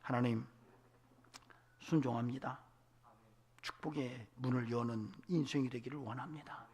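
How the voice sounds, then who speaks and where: A man preaching a sermon as a pastor, telling a story in hushed whispers and building to impassioned, shouted exhortation. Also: mid-range voice, steady tone, normal speed, husky. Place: church sanctuary.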